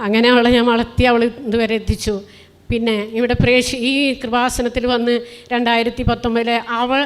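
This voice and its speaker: A middle-aged woman from Kerala giving a spoken personal testimony, telling it plainly and earnestly, with many pauses and restarts. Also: fairly high pitch, fairly bright tone, clean tone. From Kerala, India. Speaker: testimony speaker.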